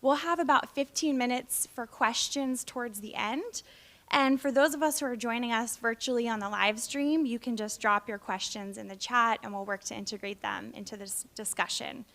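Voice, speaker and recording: Higher-voiced woman hosting a forum. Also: moderate pace, sharp tone. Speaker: host, executive director introducing a speaker. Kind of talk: event welcome and introduction, prepared remarks.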